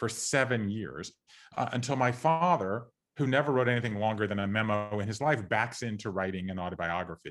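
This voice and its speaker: A man with an American accent talks at a medium pitch with lively intonation. He has an unremarkable speaking voice, and the background is quiet. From US South, Savannah, Georgia. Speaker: author and speaker. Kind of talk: interview. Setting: remote call.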